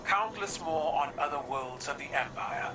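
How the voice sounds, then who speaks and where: An actress playing a proud, stern alien warrior empress in a video game, speaking in a regal, formal, declarative way. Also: female voice, low-pitched, lively intonation, moderate pace, distant mic, background noise. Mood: grave, defiant. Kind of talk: scripted video game dialogue.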